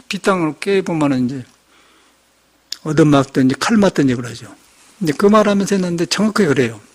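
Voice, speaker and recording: Older male monk, slight Jeolla accent, fairly high voice, folksy storytelling sermon. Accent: slight Jeolla Korean. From Jeolla region, Korea. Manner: folksy storytelling, chuckles, acts out quoted speech. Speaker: Buddhist monk giving a dharma talk.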